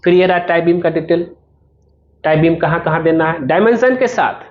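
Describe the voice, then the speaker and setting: A man's voice: on the high side, normal speed, highs cut off. A man giving an informal promotional explainer as a civil engineer, talking the viewer through his service step by step and directly.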